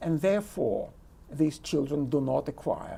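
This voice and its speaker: Lively intonation with a non-native accent. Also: man. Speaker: neuroscience professor. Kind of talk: interview. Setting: studio. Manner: hesitant, many fillers.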